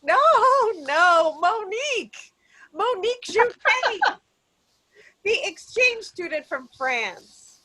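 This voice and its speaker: Woman playing a very high, sweet, fussy housewife. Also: sing-song, drawn-out words, bright, forceful tone, heavily acted, low-quality recording. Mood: fussy, excited. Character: cheery, flustered suburban housewife and mother. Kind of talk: comedy screenplay table read. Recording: remote virtual table read call.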